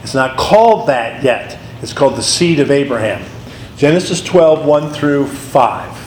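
A man's voice: medium pitch, very animated, unhurried, darkish tone. A man recovering from laryngitis, leading an adult catechism class and calling on readers. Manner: explanatory, calls on readers by name. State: hoarse from laryngitis. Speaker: pastor teaching a class. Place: church classroom. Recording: echoey room, faint noise.

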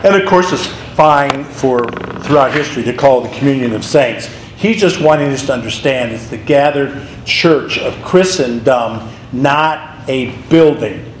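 Hoarse man teaching a church class. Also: mid-range voice, measured pace, few pauses. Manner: explanatory, calls on readers by name. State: hoarse from laryngitis. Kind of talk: adult catechesis class. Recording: echoey room, faint noise.

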